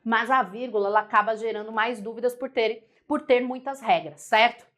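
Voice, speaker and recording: A Brazilian woman teaching a live online grammar lesson, lively and repetitive, often checking whether viewers follow. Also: on the high side, fairly quick. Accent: Brazilian Portuguese. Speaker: Portuguese teacher.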